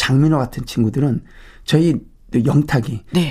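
Somewhat breathy, a man speaks with fairly high pitch and lively intonation. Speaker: songwriter and singing instructor. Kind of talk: radio interview. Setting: studio.

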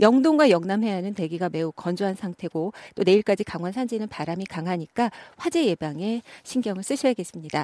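The voice moves in very wide pitch swings, and the sound is dry and close with no echo. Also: woman. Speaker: weather forecaster. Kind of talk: weather report. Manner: formal.

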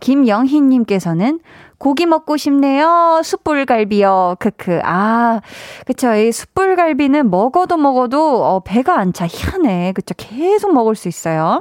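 A woman's high, warm voice with very wide pitch swings at a very slow pace, in a dry, close sound with no echo. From Seoul. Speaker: radio DJ. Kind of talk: evening radio show, reading listener messages. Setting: radio studio, visible radio. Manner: warm, chatty, frequent laughter.

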